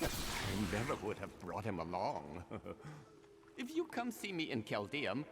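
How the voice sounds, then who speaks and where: Covetous Shen, wildly animated old jeweler. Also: male voice, mid-range voice. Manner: rambling, chuckling, theatrical. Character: eccentric, cheerful old male jeweler, tough and bony. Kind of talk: animated fantasy game acting.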